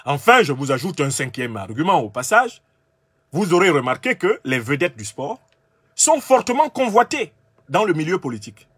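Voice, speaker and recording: Cameroonian guy lecturing, high lively voice, kinda husky, pushing his point hard. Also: moderate pace, no room sound. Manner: emphatic, argumentative, addresses listeners directly. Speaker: political commentator. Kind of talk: lecture-style monologue.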